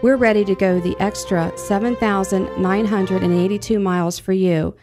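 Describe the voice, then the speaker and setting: A woman's voice: mid-range voice, fairly even intonation, moderate pace. Woman reading a jewelry ad over music. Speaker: jewelry store owner in a radio-style ad. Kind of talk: scripted ad read. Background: soft music.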